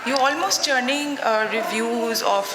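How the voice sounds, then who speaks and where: A woman's voice: fairly high pitch, unhurried. A woman moderating a live book panel, putting questions together hesitantly in short fragments, over an echoey, noisy PA. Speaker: moderator interviewing an author. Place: literary festival stage in a garden venue. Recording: echoey reverberant festival PA, noisy ambience.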